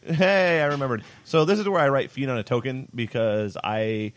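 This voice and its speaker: A man's voice: medium pitch, moderate pace, dry recording. A young man casually commentating his own tabletop battle, joking about his mistakes and laughing often. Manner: self-mocking, laughs often. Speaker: player narrating his own recorded game.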